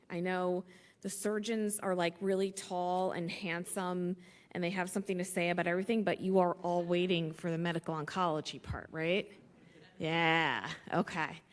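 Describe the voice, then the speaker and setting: Echoey woman moderator, lowish voice. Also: fairly bright tone. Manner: informal, repeats words, joking. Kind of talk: introducing speakers at a symposium. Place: large conference hall. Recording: echoey conference hall.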